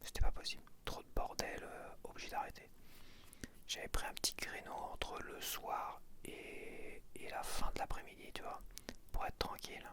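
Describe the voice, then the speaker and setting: A man whispering softly into a close mic for ASMR, murmuring sticker numbers and rambling along. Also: normal speed. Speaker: ASMR creator.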